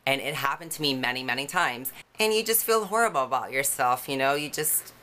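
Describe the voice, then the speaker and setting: A young woman with a notably low voice speaks frankly to her camera, telling her own story. Her tone is bright and forward, and the talk is loose and conversational, full of fillers. A faint hiss sits under the recording. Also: lively intonation, fairly quick. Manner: candid, conversational, many fillers. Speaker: vlogger.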